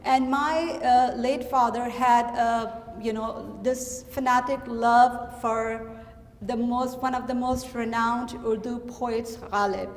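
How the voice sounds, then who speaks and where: A middle-aged woman from Pakistan with a Pakistani accent, an artist giving a reflective, halting gallery talk about her work. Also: a little high, steady tone. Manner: reflective, halting with frequent fillers. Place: gallery hall. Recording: echoey gallery hall.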